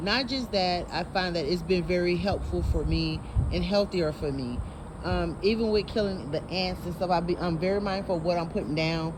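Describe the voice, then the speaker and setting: Moderately paced speech from a woman amid noticeable background noise and audible room echo. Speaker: home gardening vlogger. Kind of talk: casual video vlog.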